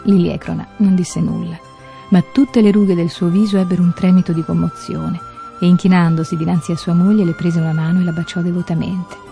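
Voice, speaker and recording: A woman reading a Christmas tale aloud in slow, measured radio narration. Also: on the low side, little pitch movement, creaky, dark tone, faint music behind. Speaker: radio story reader. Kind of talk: scripted narration.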